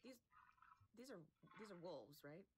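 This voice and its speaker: A tough, vengeful woman survivor, played by an actress, threatening and intense. Her pitch moves dramatically as she delivers a menacing webseries monologue. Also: sing-song, a little slow, darkish tone, husky, heavily acted.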